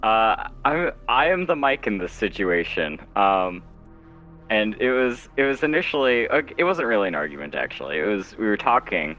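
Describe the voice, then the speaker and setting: A man's voice: on the low side, big pitch swings, normal speed, sharp tone, faint music behind. A man from Oregon chatting casually as an interview guest, rambling wryly and acting out his own thoughts. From Oregon, United States. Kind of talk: casual chat.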